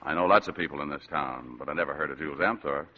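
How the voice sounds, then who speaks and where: An actor playing a world-weary, wisecracking private detective who also narrates, in a 1940s radio drama. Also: male voice, extremely low pitch, fast talker. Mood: sardonic. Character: wisecracking hard-boiled private eye, weary man. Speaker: narrator of the story. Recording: dull lo-fi old radio broadcast.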